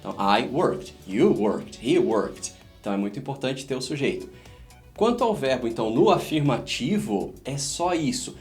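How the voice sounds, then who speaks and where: A man's voice: mid-range voice, expressive, normal speed, a little mellow, faint music behind. A man with a Brazilian Portuguese accent, an English teacher explaining grammar in a casual, joking way and talking straight to his viewers. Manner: chatty, joking, addresses viewers as "gente".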